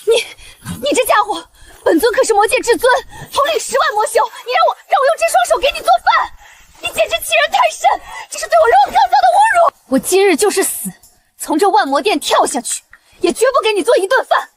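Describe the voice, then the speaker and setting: A proud, hot-tempered demon queen from an animated series, with a very high, lively voice that swings widely in pitch. She talks in a haughty, blustering way and flares into shouting. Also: brisk, no room sound. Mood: indignant.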